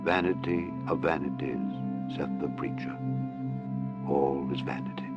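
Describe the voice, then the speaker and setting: Deep-voiced man reading scripture over music. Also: steady tone, highs cut off. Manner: solemn, measured, declamatory. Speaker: audiobook narrator. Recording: music behind the voice. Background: background music.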